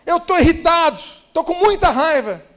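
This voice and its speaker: A man voicing a drowned pastor who complains loudly to God, soaked and angry. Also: extremely high pitch, animated, a little slow. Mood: indignant.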